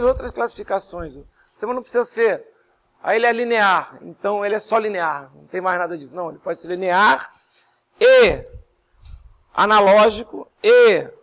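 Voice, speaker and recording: A hoarse male lecturer teaching a class. He goes step by step, asks his students questions, and speaks softly with pauses for breath. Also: high-pitched. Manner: speaks softly and not fast, pausing to breathe. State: hoarse, voice strained after illness. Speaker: university lecturer.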